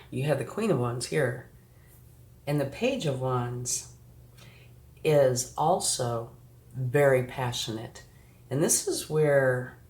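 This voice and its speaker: A woman's voice: extremely low pitch, darkish tone. A woman giving a tarot reading straight to the viewer, reassuring and sniffly from a recent flu. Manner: reassuring, addresses the viewer directly, frequent "okay" and "right". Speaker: tarot reader. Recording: echoey room with faint background noise.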